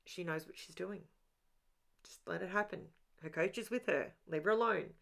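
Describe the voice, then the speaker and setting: Woman, middle-aged, lowish gravelly voice, chatty and rambling, home voiceover. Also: normal speed, fairly bright tone. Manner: rambling and self-aware, talks straight to viewers. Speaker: crafting channel host. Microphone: voiceover mic.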